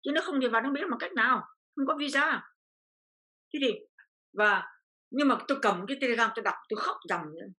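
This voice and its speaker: Older woman from Vietnam, interview guest; emotional storyteller who repeats phrases, with a bright, slightly high voice. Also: fast. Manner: repeats phrases, voice rising with feeling.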